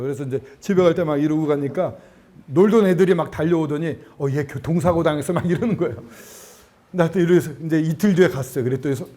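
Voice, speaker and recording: A man preaching a sermon to students, telling a personal story in an animated way and acting out the people he quotes. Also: high voice. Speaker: preacher at student gospel camp.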